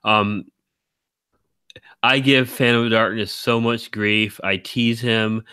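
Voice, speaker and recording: A man hosting a live stream, talking in a rambling, teasing way with a deep baritone voice, very tired. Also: steady tone, slow pace, bright, forceful tone, smooth, no room sound. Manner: rambling, teasing, laughs often. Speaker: stream host. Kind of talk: casual chat.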